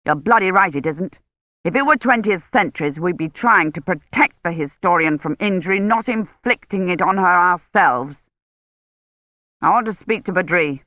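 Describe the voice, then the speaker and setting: A woman's voice: fairly low pitch, lively intonation, moderate pace, no room sound, natural voice. A woman reading an anxious, protective older don. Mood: angry. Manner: worried and sharply reproachful. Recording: dry, slightly dull lo-fi recording.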